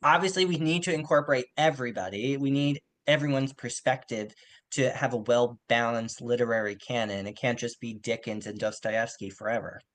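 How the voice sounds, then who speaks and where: A man's voice: medium pitch, a little fast, fairly bright tone. A man co-hosting a podcast, discussing literature in a colloquial, slangy and opinionated way. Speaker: podcast co-host.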